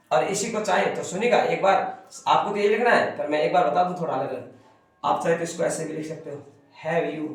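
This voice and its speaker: Man, English grammar lesson, repeats phrases, drills pronunciation, distant mic. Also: on the high side. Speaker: English teacher. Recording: echoey room, from a distance.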